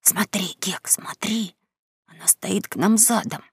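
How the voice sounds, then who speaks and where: A woman doing a hushed, bolder boy. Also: normal speed, gravelly, slightly rough, dry recording, clean studio sound, heavily acted. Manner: low conspiratorial whisper. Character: boy, the bolder leader, whispering. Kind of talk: audiobook character reading.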